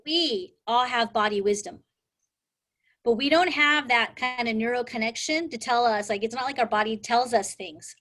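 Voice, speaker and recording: A woman's voice: a little high, fairly bright tone. A middle-aged woman teaching a live exam prep class in a casual, chatty way, telling stories and often asking "right?". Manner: chatty, storytelling, frequent "right?" and "like". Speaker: insurance exam prep instructor.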